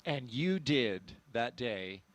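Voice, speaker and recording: A man hosting live launch coverage in a measured, explanatory way. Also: mid-range voice, big pitch swings. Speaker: launch broadcast host.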